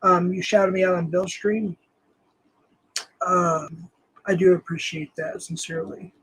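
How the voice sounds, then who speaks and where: A hoarse man with a fairly high, husky voice hosts a casual livestream from home. He rambles loosely, filling gaps with ums while he answers the chat. His voice is worn and scratchy, as if he is coming down with a cold. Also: fairly even intonation, unhurried, a bit bright. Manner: rambling, reads chat aloud, frequent ums. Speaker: livestream host.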